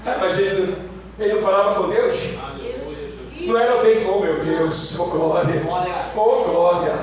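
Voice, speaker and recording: Brief: high-pitched pastor shouting his sermon, heavy church echo. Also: steady tone, moderate pace, far from the mic, a crowd in the background. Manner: shouting, repetitive, exclamatory. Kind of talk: Pentecostal sermon. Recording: echoey church from afar.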